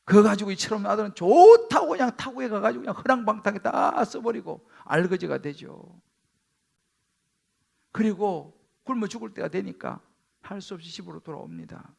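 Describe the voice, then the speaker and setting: A man, the senior pastor, preaching a Sunday sermon in a church sanctuary, swinging between loud exclamations and hushed asides. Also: high-pitched, lively intonation, moderate pace, vocal fry, husky.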